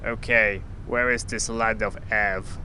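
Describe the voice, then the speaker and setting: Man acting a flippant superhero, noisy rumbling recording. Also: fairly even intonation, slow pace, pushed and bright, full character voice. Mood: puzzled. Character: blunt, flippant male superhero, once a toy bird. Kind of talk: amateur audio drama acting. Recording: clearly noisy with low rumble.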